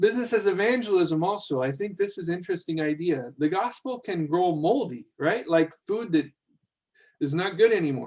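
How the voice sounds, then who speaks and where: This man speaks with lively intonation, a high pitch, and an American accent. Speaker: business owner and business ethics teacher. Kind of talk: webinar presentation. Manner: fast.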